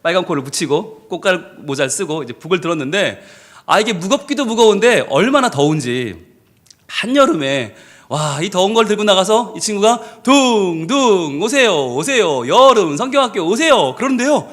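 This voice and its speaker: A man preaching a sermon as pastor, telling a story in an animated way and acting out the people in it. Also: high-pitched, brisk. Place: church service.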